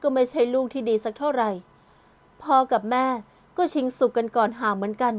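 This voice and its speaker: A woman voicing a gentle, caring middle-aged mother in an audio novel, speaking softly and soothingly. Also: fairly high pitch, a little fast, close to an everyday voice.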